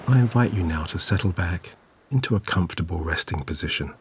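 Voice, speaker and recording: A man narrating a scripted guided sleep meditation in a soothing, gentle, measured way. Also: low-pitched, expressive, a little hiss or hum. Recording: clear background ambience of waves. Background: relaxing ocean wave sounds.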